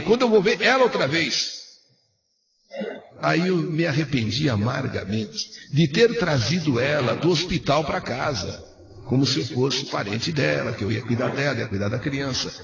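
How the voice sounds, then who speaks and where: A man reading a dramatic first-person story for radio, emphatic and repeating phrases, shifting between hushed and loud. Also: a little high, gravelly. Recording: roomy, muffled radio recording.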